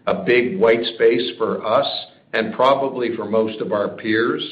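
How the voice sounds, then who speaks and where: A man speaking as a senior company executive, answering analyst questions on a conference call in a measured, deliberate way. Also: on the low side, echoey room, dull audio.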